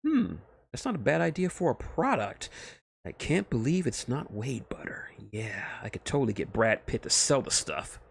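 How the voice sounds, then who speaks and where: A man's voice: medium pitch, big pitch swings, normal speed, gravelly, slight background noise. A man voicing a brash, petty restaurant boss who is glib and whines when challenged, in a comic story reading. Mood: pleading, joking.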